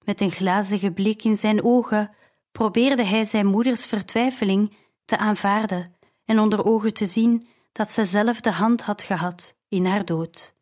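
Slow-reading woman narrating an audiobook. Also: mid-range voice, darkish tone. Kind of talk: scripted first-person narration.

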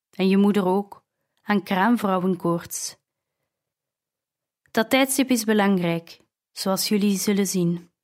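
A woman's voice: mid-range voice, a little mellow, close to an everyday voice. A woman reading the lines of a stern older father in an audiobook, firm and commanding.

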